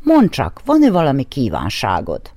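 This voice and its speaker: A woman's voice: a bass voice, huge pitch swings, mellow, no echo, heavily acted. A woman voicing a kind magical white horse who grants wishes, speaking in a friendly, lilting way.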